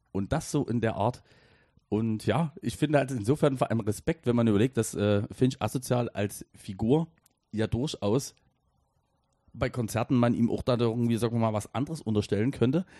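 A man's voice: mid-range voice, dark tone, no room sound. A man in his thirties from Dresden chats on a podcast, rambling and hesitant, circling back through fillers and restarts. His voice sits in a middle range, recorded close and dry with no room sound. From Dresden, Germany. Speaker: podcast co-host and editor. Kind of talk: casual podcast chat.

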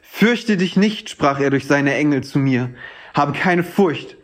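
A man's voice: a little high, lively intonation, slow pace. An actor playing a fervent teenage boy preacher in a medieval radio play, solemnly proclaiming his visions. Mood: solemn, visionary. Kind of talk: declamatory sermon in a German radio play.

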